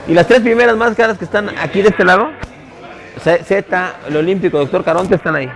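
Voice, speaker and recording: A man's voice: sits high, brisk, fairly bright tone. A man in his forties with a Mexican accent, telling the story of his taquería in an interview, talking easily with hesitant restarts. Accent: Mexican Spanish. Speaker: taquería owner. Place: busy taquería dining room, indoors. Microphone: camera interview, seated. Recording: music under the voice.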